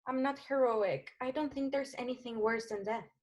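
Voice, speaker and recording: A woman acting a high-voiced, pleading femme fatale. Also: moderate pace, darkish tone, lo-fi sound, natural voice. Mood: anxious, evasive. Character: slick, pleading femme fatale, anxious and evasive. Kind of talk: 1940s radio noir acting.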